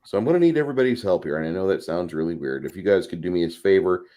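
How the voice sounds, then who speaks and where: A man with a deep, dark voice and lively intonation. He chats informally as a guest on a panel, his pitch moving widely. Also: racing. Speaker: panel guest and video creator. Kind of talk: casual chat.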